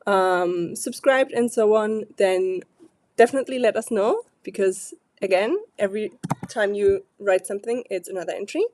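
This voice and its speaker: A woman with a stuffy, congested voice hosts a live card-making stream in a chatty, loosely paced way, clearing her throat now and then. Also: a little high, warm tone, dry recording, clean studio sound. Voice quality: frequent throat clearing and fillers. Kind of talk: casual live-stream chat.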